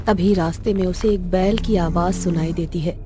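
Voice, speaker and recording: A woman narrating a cartoon story in a steady storytelling manner. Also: lowish voice, normal speed, background noise. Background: background music.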